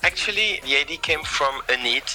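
A man with a heavy French accent speaks in a very bright, forward tone. He talks in a halting way, full of fillers. He sounds like a podcast interview guest, with faint music under him. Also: a little high, animated, rough recording. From France. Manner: hesitant, many "uh" fillers, apologetic. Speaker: interview guest, company co-owner.

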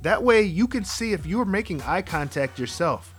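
A man with a somewhat high voice hosts a podcast. He speaks earnestly and encouragingly as he gives tips and introduces a guest. Soft music plays faintly beneath him. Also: animated, normal speed, husky. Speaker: podcast host. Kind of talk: casual podcast chat and interviewing.

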